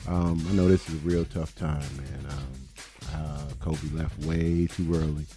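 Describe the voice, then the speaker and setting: A man's voice: extremely low pitch, steady tone, unhurried, over music. A man co-hosting a sports talk show, talking in a playful, jokey way. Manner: playful, jokey, laughs often.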